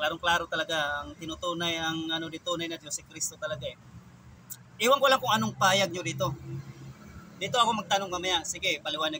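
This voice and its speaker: Talking at a very fast pace, a man with a high voice shows big swings in loudness. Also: ordinary pitch variation. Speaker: channel owner debating religion. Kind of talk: online religious debate. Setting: online live session, not in studio, on mobile data.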